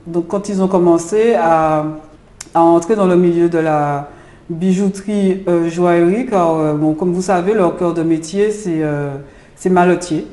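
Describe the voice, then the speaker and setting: A woman's voice: lowish voice, a little slow, warm tone. A woman from Martinique, a jewelry designer, answering interview questions in a hesitant way with many filler sounds. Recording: roomy echo.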